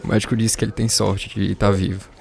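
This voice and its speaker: A man in a radio play. His voice is a little lower than average, in a dramatized dialogue style. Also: flat delivery, quick pace, creaky, crowd noise. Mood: grave.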